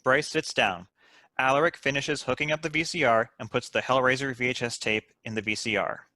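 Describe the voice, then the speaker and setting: A man's voice: mid-range voice, brisk, sharp tone, no room sound. A man reading screenplay stage directions as the narrator of a scripted table read.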